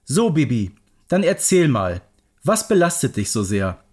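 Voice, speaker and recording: A man's voice: mid-range voice, very animated, a little slow, a little mellow, breathy edge. A man voicing an old, very kind witch therapist, encouraging, in a children's story. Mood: gentle, encouraging.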